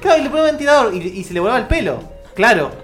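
A man's voice: very high-pitched, very animated, rapid-fire, a bit bright, soft background music. A man with an Argentine accent on a gaming podcast, rattling off funny anecdotes. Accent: Argentine Spanish. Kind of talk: casual gaming podcast chat.

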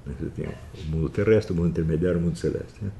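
Deep-voiced man lecturing, emphatic. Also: very fast, creaky, mellow, a little hiss or hum. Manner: scolding, emphatic, many tag questions. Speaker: teacher lecturing students. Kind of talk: philosophy lecture.

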